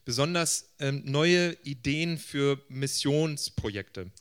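A man's voice: fairly high pitch, expressive, slow, fairly bright tone, clean tone. A man working as a church interpreter, relaying a speaker's address informally in short consecutive phrases.

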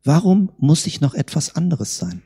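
Woman preacher, sermon delivery, slightly husky, heavy hall reverb. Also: deep voice, very animated, mellow. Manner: rhetorical questions, slowed emphatic words.

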